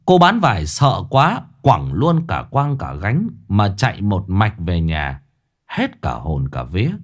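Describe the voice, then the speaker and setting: A man telling a ghost story in a lively, earthy way. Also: low voice, a little slow.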